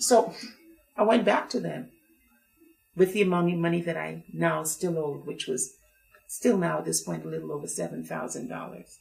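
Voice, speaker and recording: A woman at a moderate pace, with big swings in loudness and long, frequent pauses. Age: 60s. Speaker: timeshare owner telling a complaint. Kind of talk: testimony.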